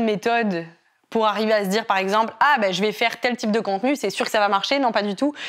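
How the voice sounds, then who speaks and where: Delivery is fairly quick. Pitch moves in an ordinary way. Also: woman. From France, Nice. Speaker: YouTuber. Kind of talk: interview. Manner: hesitant fillers.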